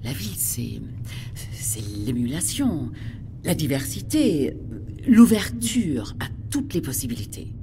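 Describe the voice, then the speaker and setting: A slow-spoken, earnest future scientist. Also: female voice, very deep voice, big pitch swings, mellow, a little hiss or hum, full character voice. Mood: earnest, troubled. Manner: hesitant, questioning, sincere. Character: earnest, idealistic female scientist from a future planet. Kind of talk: audio fiction dialogue.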